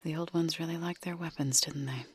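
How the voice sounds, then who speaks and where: A woman's voice: low-pitched, fairly even intonation, brisk, slightly rough, dry recording, clean studio sound. An actress playing an earnest, resolute young tribal warrior woman in a video game, with solemn, emphatic, formal delivery. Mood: hushed, watchful. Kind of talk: scripted game combat barks and companion lines.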